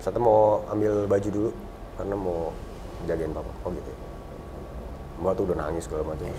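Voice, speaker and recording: A man in his thirties, a talk show guest, telling a personal story in a relaxed, reflective way and going soft and low on sad memories. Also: fast talker, background noise. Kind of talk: casual conversational storytelling.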